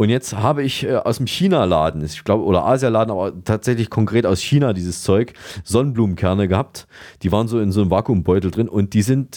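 Dark and mellow, a man's fairly low voice moves at a fairly quick pace with ordinary pitch variation. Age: 40s. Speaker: comedy podcast host. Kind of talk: casual chat.

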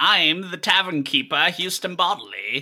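A man does a put-on character voice with a high pitch. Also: moderate pace. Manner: theatrical, put-on.

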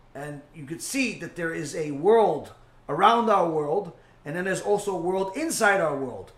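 A man speaks at a moderate pace in a high voice with lively intonation. His loudness swings widely, and the room echo is audible. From New York. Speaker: rabbi. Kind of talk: Torah class answering questions. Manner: halting with fillers.

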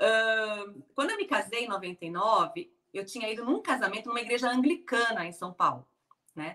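At a moderate pace, a woman's fairly high, bright, sharp voice carries lively intonation and big swings in loudness. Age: 40s. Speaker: church history teacher. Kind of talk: casual chat.

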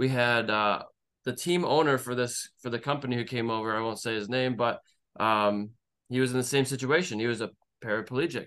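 A man with an American accent speaks in a plain, everyday voice at a medium pitch and a fairly quick pace, with ordinary pitch variation over a quiet background. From Michigan. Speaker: podcast host and racing coach. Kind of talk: casual interview.

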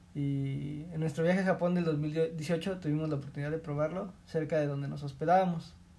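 Through noticeable background noise, a man with a fairly high pitch talks at a fairly quick pace with monotone, flat intonation. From Mexico, Oaxaca. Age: 30s. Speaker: podcast host. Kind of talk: casual chat.

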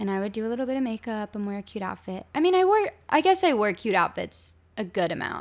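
A bubbly-toned woman at a moderate pace, lively in intonation, on a very clean recording with a silent background. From Ohio, US Midwest. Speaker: TV presenter, former reality TV cast member. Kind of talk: casual chat.

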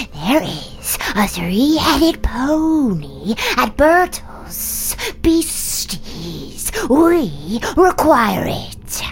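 Over clear background noise, a female-sounding, put-on character voice talks at a very slow pace. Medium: audio drama. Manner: cold, formal, menacing, speaks as "we".

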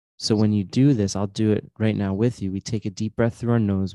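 A man speaks at a fairly quick pace in a fairly low pitch, his dark, mellow tone delivered with monotone, flat intonation in a dry, close sound with no echo against a quiet background. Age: 30s. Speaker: meditation teacher and energy healer. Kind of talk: casual chat; guided meditation.

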